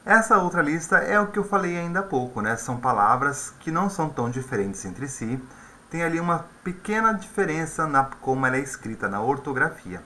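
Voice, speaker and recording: A man's voice: fairly high pitch, very animated, brisk, pushed and bright, a little hiss or hum. A man teaching an English lesson in a conversational way, often tagging his sentences with questions. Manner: conversational, with frequent tag questions. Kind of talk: video lesson explaining vocabulary.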